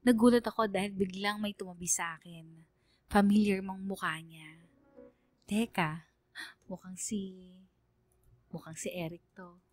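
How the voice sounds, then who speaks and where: A woman's voice: medium pitch, steady tone, unhurried, pauses often, darkish tone, dry recording, faint music behind, natural voice. A woman playing a wounded young gay man who narrates his life story in a heartfelt, aggrieved way for a radio drama. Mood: reflective. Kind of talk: dramatized first-person radio letter narration.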